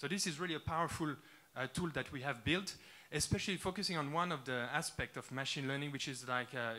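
The voice carries ordinary pitch variation and a bright, sharp tone with a French accent. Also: man. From France. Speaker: startup founder. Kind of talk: startup pitch. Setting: stage with audience. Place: stage. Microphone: handheld.

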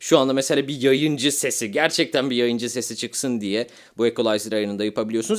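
A man does the talking. The background is silent, and the recording is very clean. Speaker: tech reviewer. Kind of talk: product review. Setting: indoor room, recording through reviewed mics.

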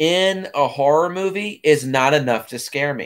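A man speaks with lively intonation at a fairly high pitch. The background is quiet. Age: 20s. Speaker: movie reviewer. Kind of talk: casual film review chat. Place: home room. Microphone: camera far.

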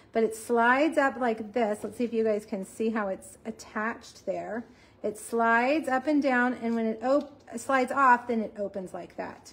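Her pitch high, a woman talks at a moderate pace with ordinary pitch variation. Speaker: crafting demonstrator. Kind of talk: live craft tutorial with a friendly, upbeat sales pitch for the stamp bundle and kits. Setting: live video stream from a craft room.

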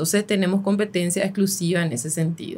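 A woman with a Paraguayan accent speaks at a moderate pace in a fairly low pitch, with fairly even intonation. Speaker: electoral judge. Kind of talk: interview. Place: studio. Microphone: studio mic.

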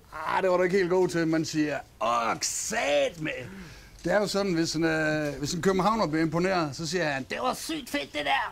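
A man speaks in a high voice at a moderate pace. His pitch rises and falls in an ordinary way. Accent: North Jutland. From Aalborg, North Jutland, Denmark. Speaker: rapper. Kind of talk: TV interview answer. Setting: outdoors. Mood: playful, laughing. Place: street. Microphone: lapel.

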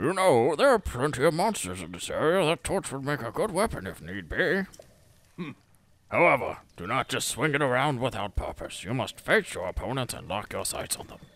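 Putting on a character voice, a man speaks at a fairly high pitch and a moderate pace, with very wide pitch swings and big swings in loudness. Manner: instructive, wise.

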